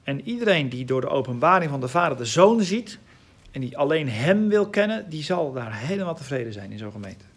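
Man, Bible study teacher, emphatic and explanatory, gravelly voice pitched on the high side. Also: very animated, fairly quick, hardly any pauses. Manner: emphatic, reads and explains scripture at length.

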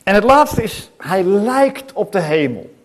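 A middle-aged man delivers a sermon in a church, his voice sitting a little high for a man. He speaks earnestly and puts rhetorical questions to the congregation. He pauses between short phrases. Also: very animated. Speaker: preacher. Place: church hall.

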